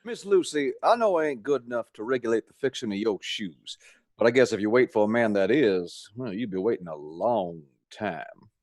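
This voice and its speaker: An actor playing a jolly, gallant young Texan suitor in a radio play, with a folksy, earnest drawl. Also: male voice, fairly low pitch, lively intonation, moderate pace, no echo, clean studio sound, lightly acted. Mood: folksy courting. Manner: folksy drawl with American slang.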